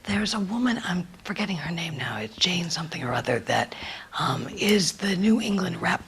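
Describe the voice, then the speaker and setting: A woman's voice given through live interpretation in a planning meeting. She speaks in halting phrases with frequent ums. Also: on the low side, sing-song, gravelly, fairly bright tone, slight background noise. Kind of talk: live sign language interpretation voiced aloud.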